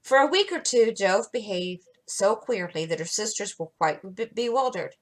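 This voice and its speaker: A woman reading a classic novel aloud as a storyteller, with expressive delivery and occasional slips. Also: medium pitch, moderate pace.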